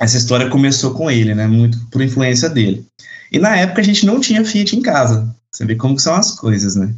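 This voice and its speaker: A somewhat breathy man at medium pitch, fairly quick in pace, with very wide pitch swings and very even loudness. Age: 20s. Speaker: Instagram page creator and car enthusiast. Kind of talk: casual interview.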